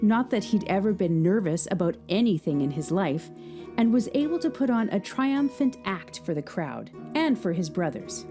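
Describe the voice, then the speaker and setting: A woman reads a dramatic story aloud, with a mellow, darker tone. Her delivery is measured and scripted, and it leans into tense moments. Faint music plays underneath. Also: mid-range voice, big pitch swings. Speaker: narrator.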